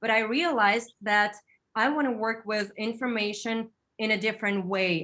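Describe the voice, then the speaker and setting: Speaking at a moderate pace in a Russian accent, a woman has a medium pitch and a bright, sharp tone. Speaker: TV journalist. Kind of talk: interview.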